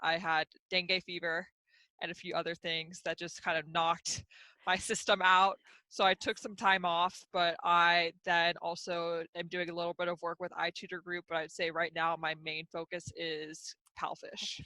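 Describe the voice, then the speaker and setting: Very bright young woman on a dry call. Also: on the low side, level tone, normal speed, no room sound, low-quality recording. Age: 20s. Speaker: online ESL teacher. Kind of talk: casual video call chat.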